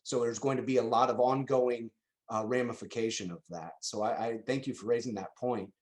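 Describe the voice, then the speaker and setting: A man's voice: medium pitch, fairly even intonation, a little fast, darkish tone. A man guest expert on an online panel, speaking in a friendly, emphatic way. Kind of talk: panel discussion. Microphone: video call.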